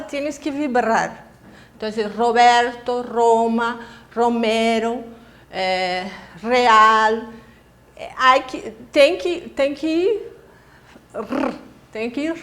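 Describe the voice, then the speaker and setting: A Brazilian woman teaching a recorded Spanish lesson, explaining pronunciation with many fillers and restarts. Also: fairly high pitch. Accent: Brazilian Portuguese. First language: Portuguese. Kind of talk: distance-learning lesson.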